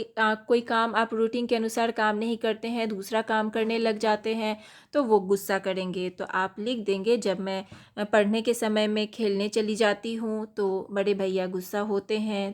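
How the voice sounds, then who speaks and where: A woman teacher going slowly through a workbook lesson for young children, asking questions and answering them herself. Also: mid-range voice. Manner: patient, explains step by step, asks and answers her own questions.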